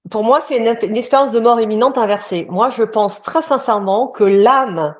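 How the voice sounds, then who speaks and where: A woman's voice: a little high, normal speed. A woman hosting a live online interview as a love coach, chatty and hesitant with fillers. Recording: dull lo-fi sound.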